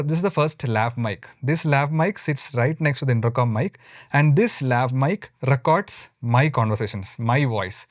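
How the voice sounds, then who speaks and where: A man's voice: medium pitch, dry recording, clean studio sound. A man with an Indian accent giving an informal step-by-step tutorial as a moto vlogger, often repeating and rephrasing his points.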